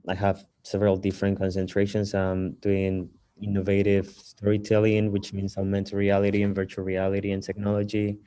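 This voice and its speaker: A young man from Colombia, a theater director, introducing himself hesitantly with many pauses on a video call panel. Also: low voice, dark tone, smooth. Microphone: video call mic.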